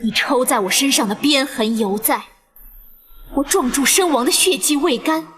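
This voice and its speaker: An actress playing the vengeful ghost of a wronged palace maid, speaking in a mournful, menacing, ghostly declamation in a period drama. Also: female voice, high-pitched, animated, moderate pace, a bit bright. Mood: vengeful wailing. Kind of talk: theatrical Chinese period drama acting. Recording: echoey hall reverb, noisy ambience.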